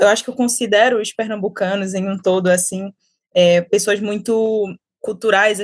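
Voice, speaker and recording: Her medium-pitched voice moves at a moderate pace with fairly even intonation as this woman speaks. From Brazil, Pernambuco (Paulista, Recife metro area). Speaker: singer. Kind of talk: interview.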